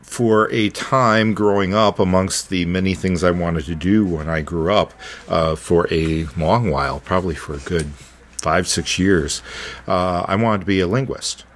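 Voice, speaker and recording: A man chatting as a podcast host, halting and repeating words as he searches for the next one. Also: low voice. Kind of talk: casual podcast conversation.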